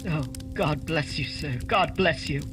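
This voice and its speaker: An actor playing a frantic jewel thief who confesses and pleads in a radio play. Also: male voice, fairly high pitch, a little slow, music in the background, lightly acted. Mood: grateful. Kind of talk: holiday radio play acting.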